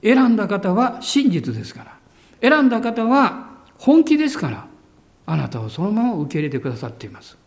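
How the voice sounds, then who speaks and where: A male pastor preaching a sermon with emphasis, drawing out key words slowly. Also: high-pitched, huge pitch swings.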